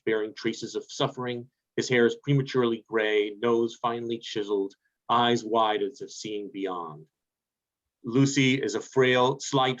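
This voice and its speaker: A man reading stage directions aloud for a play reading held on a video call. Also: mid-range voice. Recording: muffled, lo-fi video call audio.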